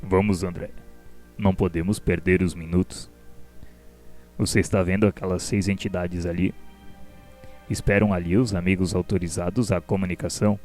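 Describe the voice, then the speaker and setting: A man with a Brazilian accent playing a kindly, authoritative spirit instructor in a radio drama, speaking formally and deliberately. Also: low-pitched, flat delivery, darkish tone, natural voice. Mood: kindly, instructive. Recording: music behind the voice.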